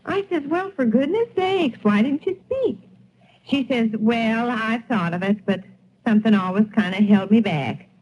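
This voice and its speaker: A woman's voice: a little high, animated, moderate pace, close to an everyday voice. A woman playing a chatty, easily amazed small-town housewife in a 1940s radio play, with folksy speech. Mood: gossipy. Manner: gossipy, folksy exclamations. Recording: dull, hissy vintage radio recording.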